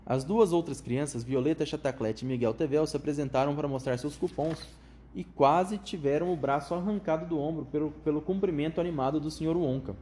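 A man reading a children's book aloud in a measured storytelling manner. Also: a little high, warm tone, a little hiss or hum.

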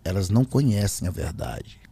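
A man voicing a possessed friend who speaks in a slow, deep, threatening voice. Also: animated, creaky, warm tone, husky, heavily acted. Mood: menacing. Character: possessed male friend, menacing demonic voice.

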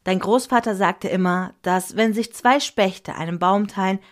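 A woman voicing a calm, wise father in a storybook, speaking patiently and reassuringly. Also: mid-range voice, moderate pace, close to an everyday voice. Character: calm wise father, middle-aged man.

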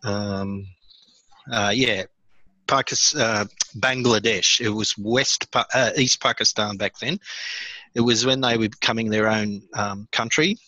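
An Australian man in his fifties, born in India, telling his life story as a podcast guest in a relaxed way with many fillers and restarts. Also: on the low side, measured pace, no echo, poor audio. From born in India, raised in Sydney, Australia. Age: 50s. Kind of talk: conversational storytelling.

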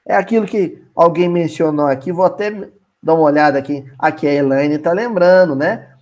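A man with a slightly high voice leads a Spiritist Bible study at a fairly quick pace. He's animated and colloquial, often putting questions to his listeners.

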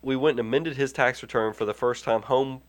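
A man's voice: mid-range voice, fairly quick. A man hosting a financial advice show, talking through tax planning in an earnest, explanatory way with frequent restarts while fighting a head cold. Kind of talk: conversational radio-style advice.

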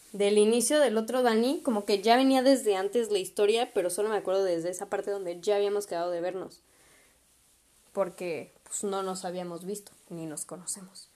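A woman's voice: medium pitch, a little mellow. Slangy Mexican woman telling a story. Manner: chatty and slangy, with frequent swearing. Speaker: podcast host. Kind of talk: casual storytelling.

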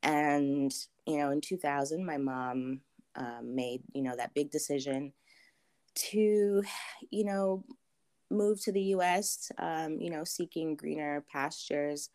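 A young adult woman from Zambia, answering interview questions thoughtfully with many pauses and ums. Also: deep voice, darkish tone. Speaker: interview guest.

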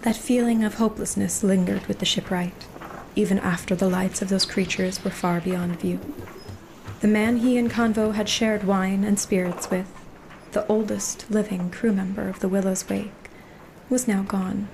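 A woman's voice: mid-range voice, steady tone, moderate pace, darkish tone, a little hiss or hum, poor audio. A woman giving scripted, dramatic narration for a fantasy horror story.

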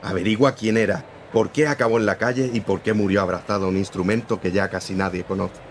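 A man's voice: fairly low pitch, fairly even intonation, fast talker, slight background noise, natural voice. An actor playing a firm, principled newspaper editor-in-chief who lectures his young reporter in a radio drama. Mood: earnest. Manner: firm, lecturing, morally serious.

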